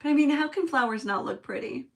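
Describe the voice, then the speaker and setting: A woman's voice: high-pitched, animated, fast talker, gravelly. Chatty woman musing aloud. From United States. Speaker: host of a live craft stream. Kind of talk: casual craft-along chat, reading viewer comments.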